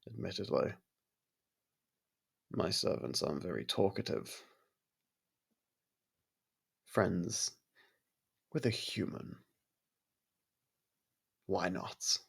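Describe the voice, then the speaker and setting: A courteous but possessive vampire lord, played by a man for an ASMR roleplay. The voice sits low and husky, thick with gravelly fry. He speaks in formal, measured phrases with quiet command. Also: full character voice. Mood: hesitant, warming. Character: courteous, possessive vampire manor lord softening toward a human.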